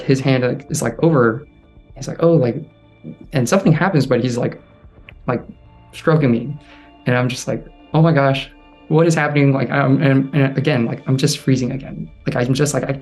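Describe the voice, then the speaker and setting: Man, mid-pitch, soft, hesitant interview storyteller, faint music bed. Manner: halting, heavy use of "like", restarts; soft, drops quieter when recalling inner thoughts. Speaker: storyteller guest.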